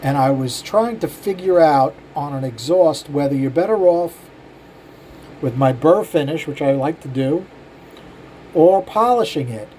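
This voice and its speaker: A man's voice: fairly high pitch, lively intonation, measured pace, darkish tone, a little hiss or hum, rough recording. An older man, a cylinder head porter, casually talking shop to his viewers in a rambling, self-deprecating way with many fillers. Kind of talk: casual shop talk to camera.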